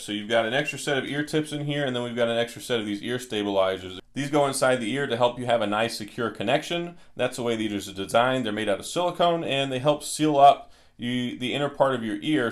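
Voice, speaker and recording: A man's voice: medium pitch, fairly quick. Man casually walking through a product unboxing. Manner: explanatory, step by step. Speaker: product reviewer.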